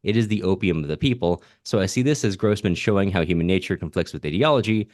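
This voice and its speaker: A man hosting a podcast, reading listener comments aloud and reflecting on them in a measured, bookish way. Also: sits low, a little mellow, no echo, studio quality. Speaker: podcast host.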